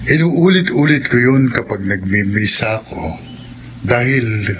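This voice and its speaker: An actor playing an earnest Catholic priest who counsels in a measured, teaching way, in a Filipino radio drama. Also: male voice, mid-range voice, expressive, a bit bright. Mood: earnest, grave. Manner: measured, didactic. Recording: dull, noisy radio drama audio.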